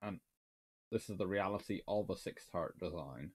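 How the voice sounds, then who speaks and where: Low-voiced and moderately paced, a naval historian in his thirties responds to viewer questions during an informal livestream. He's in a small room lined with books and works through his thoughts aloud, restarting sentences along the way.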